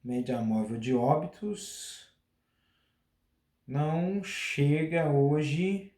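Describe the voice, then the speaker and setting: A man's voice: fairly high pitch, very slow, warm tone, reverberant. A Brazilian man hosting a casual solo talk, rambling with restarts, a slight cough. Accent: Brazilian Portuguese. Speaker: podcast host.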